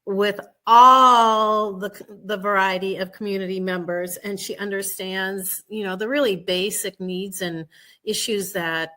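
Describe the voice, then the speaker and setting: Woman, bright clear tone, unhurried radio guest. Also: medium pitch, fairly even intonation. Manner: warm, measured, many fillers. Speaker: state senator and guest. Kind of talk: casual radio conversation.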